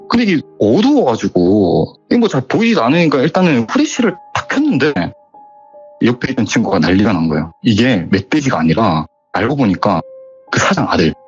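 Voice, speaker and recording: A man casually retelling a viewer's horror story in a chatty, animated way, with dramatic emphasis. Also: medium pitch, husky, highs cut off.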